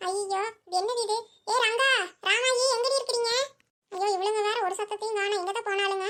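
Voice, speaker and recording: A woman's voice: very high voice, little pitch movement, fast, background noise. A woman voicing a fretful young village wife, in a cartoon. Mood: frightened. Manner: anxious, exclaims often.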